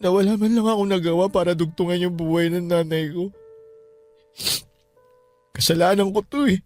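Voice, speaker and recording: A man's voice: high-pitched, steady tone, moderate pace, close to an everyday voice. An actor playing a grieving young man who is frightened by his mother's ghost, with emotional radio-drama delivery. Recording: soft music underneath.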